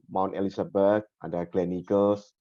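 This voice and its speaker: Recorded with a dry, close sound with no echo and a quiet background, a man with a fairly low pitch talks at a moderate pace. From Indonesia. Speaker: data and AI lead in healthcare. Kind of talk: guest talk. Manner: halting, many fillers.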